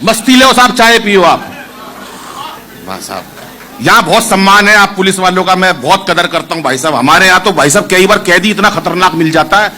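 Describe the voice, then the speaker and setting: A man's voice: high voice, expressive, fairly quick, pushed and bright. A man telling comic stories live to an audience at a poetry gathering, addressing the crowd directly and coaxing them to clap. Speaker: stand-up poet at a poetry gathering. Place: live event venue with an audience.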